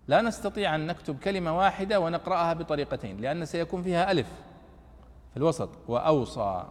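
Man teaching in a reverberant hall. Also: fairly high pitch. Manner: explaining patiently, checking understanding with questions. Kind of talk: classroom commentary on Quranic exegesis.

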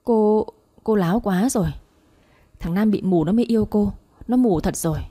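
A woman's voice: mid-range voice, normal speed, dark tone, natural voice. A woman doing a sneering rich older lady. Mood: furious. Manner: sneering, mocking. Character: scornful rich older woman, future mother-in-law.

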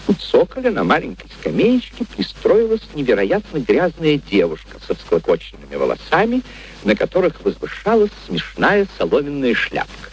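A genial gentleman storyteller, somewhat high in pitch, with sweeping, highly animated intonation. He narrates with amused, courteous curiosity and theatrical expression. It is an old radio play recording with faint noise. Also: rough recording.

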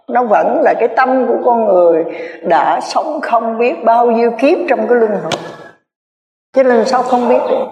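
A Buddhist nun, telling a story in a rambling sermon full of filler words. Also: female voice, a little high, creaky, a little mellow. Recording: echoey hall, distant mic.

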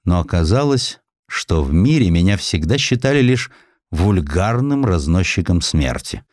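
A man voicing a proud, embittered old inventor, animated. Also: low-pitched, a little slow, dry recording, studio quality. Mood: wounded, bewildered. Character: proud, embittered, cynical ageing male inventor-industrialist. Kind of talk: acted quotes in an audiobook.

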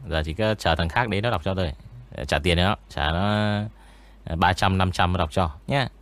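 Speaking in a low voice with an eerie, spooky quality, this ghost story narrator rambles easily through a casual interview chat, pausing often.

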